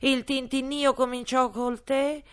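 A flustered hatter stumbles over his words in a slow, trembling, high-pitched voice, as a woman puts him on. Every answer is hesitant and broken by stammers. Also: flat delivery, a bit bright, smooth. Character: nervous, flustered man hatter on trial.

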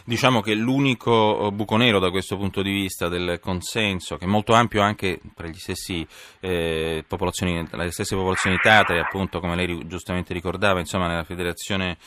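A man hosting a live radio news interview, speaking in wordy, emphatic phrases with halting turns. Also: low voice, fairly even intonation, a bit bright, a little hiss or hum.

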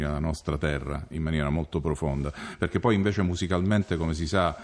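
A man from Sicily, a musician, explaining his work in measured interview talk. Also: deep voice, darkish tone. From Palermo, Sicily.

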